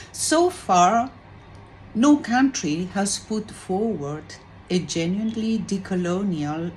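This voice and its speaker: A woman from Chile, a webinar panelist, reading a prepared presentation in a measured, formal way. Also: fairly low pitch, darkish tone, slight background noise, poor audio.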